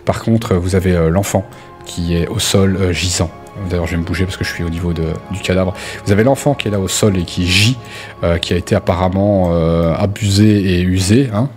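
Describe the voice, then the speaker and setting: A man with a fairly low voice runs a tabletop role-playing game. He improvises descriptive narration, circling back over phrases as he searches for words. Soft music plays behind him. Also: steady tone, brisk. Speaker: game master. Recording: background music under the voice.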